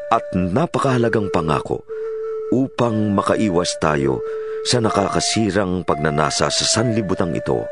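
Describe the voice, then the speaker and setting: A man with a Filipino accent giving a solemn, deliberate dramatized reading of scripture as an audiobook narrator. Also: fairly low pitch. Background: music.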